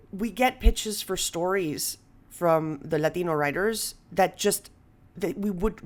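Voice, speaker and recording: A woman's voice: medium pitch, fairly bright tone. Casual woman podcast host, chatty. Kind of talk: casual conversational podcast talk.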